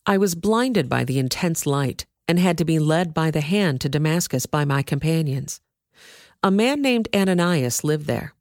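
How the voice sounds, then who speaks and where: A woman narrating a scripture reading in a measured, expressive way. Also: sits low, no room sound, clean studio sound. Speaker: reader.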